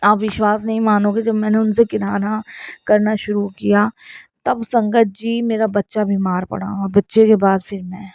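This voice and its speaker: Woman, thirties, earnest devotional testimony, dry close sound, flat delivery. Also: medium pitch, normal speed, gravelly, dry recording. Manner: earnest, addresses listeners repeatedly. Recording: dull lo-fi sound.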